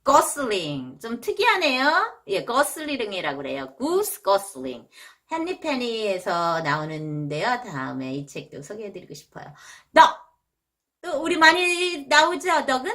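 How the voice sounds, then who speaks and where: A Korean woman teaching English vocabulary in a casual video lesson, jumping high to imitate animal sounds. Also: huge pitch swings, unhurried, a bit bright.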